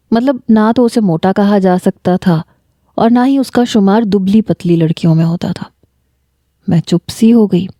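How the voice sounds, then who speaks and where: A woman telling a first-person story as a storybook narrator, in a steady, reflective reading style. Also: medium pitch, no echo, studio quality.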